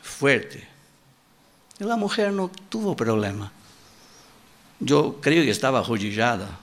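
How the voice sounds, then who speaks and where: A male preacher whose native language is Portuguese delivers a sermon in halting Spanish, mixing in Portuguese words. He repeats his key line with emphasis and acts out the voices he quotes. His pitch is medium, with big swings.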